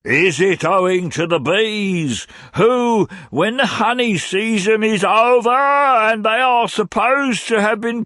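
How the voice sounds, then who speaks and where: A florid old gentleman, hopelessly lovesick and courtly. He talks in a high, swooping voice, stretching each flowery phrase slowly, now and then almost calling out. The audiobook recording is close and dry. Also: dry recording, heavily acted. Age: over 60. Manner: drawn-out, swooping, flowery declamation.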